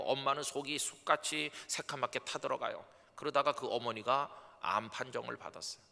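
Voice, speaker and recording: Gravelly-voiced pastor preaching in a church hall. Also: male voice, medium pitch. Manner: acts out quoted voices, swings from soft to emphatic. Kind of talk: dawn sermon with storytelling. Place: church sanctuary.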